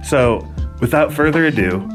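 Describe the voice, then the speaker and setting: A man introducing a podcast episode in a calm, measured, scripted way. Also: a little high. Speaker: podcast producer and host. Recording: music bed under voice.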